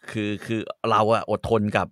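A man's voice: moderate pace, fairly bright tone, no echo, studio quality. A man in casual conversation, talking bluntly about managing staff, swearing freely and acting out quotes. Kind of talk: casual chat about work.

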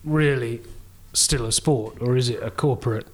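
A man's voice: mid-range voice, moderate pace. A man hosting a podcast, reading out listener questions with fillers and restarts. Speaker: podcast host.

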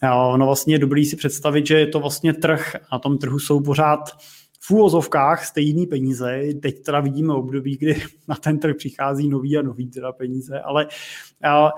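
A man hosting a podcast, explaining investments in a casual way with many fillers. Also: a little high. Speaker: podcast host.

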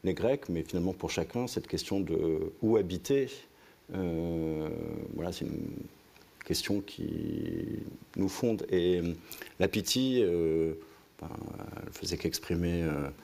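A man hosting a literary conversation, halting and searching for words with many fillers. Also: deep voice, vocal fry, dark tone. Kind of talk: interview conversation.

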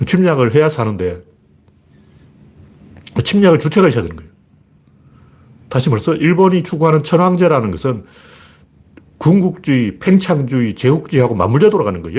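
Male political commentator, husky, lively delivery, lecture-style monologue with mock shouted asides. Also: fairly high pitch. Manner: animated, acts out shouted orders in mock voices.

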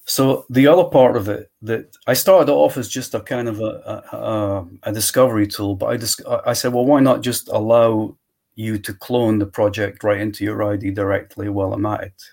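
A man walking through his software tool in a live screen-share demo, thinking aloud step by step. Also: lowish voice, fairly even intonation, moderate pace, creaky. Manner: walks through steps aloud, thinking as he goes.

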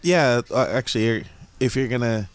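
A middle-aged man from Jamaica, a museum founder and guest, talking casually in a relaxed way with frequent pauses. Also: mid-range voice, smooth, no echo. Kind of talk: casual conversation.

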